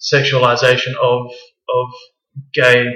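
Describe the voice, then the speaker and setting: This man speaks in a New Zealand accent, his tone bright and sharp and his intonation flat and monotone. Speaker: podcast host. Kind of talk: casual interview. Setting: home recording.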